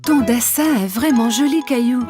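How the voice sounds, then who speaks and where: Woman as cartoon mother: loving, tender, admiring, raised pitch. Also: normal speed, over music, natural voice. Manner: tender, praising. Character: loving, admiring young mother of a little boy. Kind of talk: children's cartoon dialogue.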